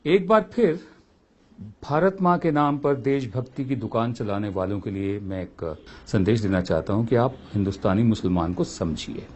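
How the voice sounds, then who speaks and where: A man's voice: fairly low pitch, normal speed, a little mellow. A man giving a spoken commentary, impassioned and full of rhetorical questions.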